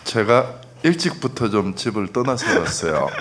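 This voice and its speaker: A man's voice: fairly low pitch, very animated, moderate pace, fairly bright tone, a little hiss or hum. A man in his fifties, a poet from North Gyeongsang, casually telling stories from his youth with chuckles in a radio interview. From North Gyeongsang, Korea. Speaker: guest poet. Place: public radio broadcast stage.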